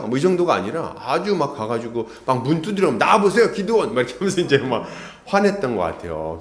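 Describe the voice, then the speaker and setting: A man preaching a sermon as pastor, in a conversational style that keeps asking the congregation to agree. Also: medium pitch. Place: church sanctuary. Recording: echoey church room.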